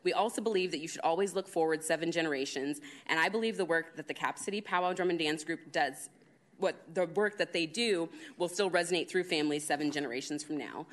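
A woman's voice: sits low, fast. A woman commissioner at a city meeting, reading prepared award remarks earnestly into a podium microphone. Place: city council chamber.

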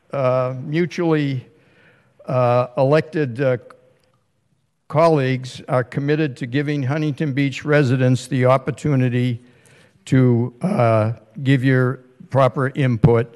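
An older man with a Boston accent making informal, halting public comments at a council meeting. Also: mid-range voice, darkish tone, clear, resonant tone. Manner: hesitant, halting delivery. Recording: echoey hall with long reverb.

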